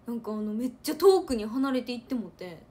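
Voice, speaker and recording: A young woman from Hyogo with a Kansai accent, chatting casually on a livestream into a phone, animated and repeating words for emphasis. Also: fairly high pitch, fairly quick. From Hyogo, Japan. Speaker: idol trainee livestreamer. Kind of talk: casual livestream chat reading comments.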